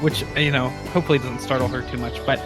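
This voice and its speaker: A man's voice: mid-range voice, fairly even intonation, quick pace, over loud music. Casual man telling a game story. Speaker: player in a tabletop roleplaying game.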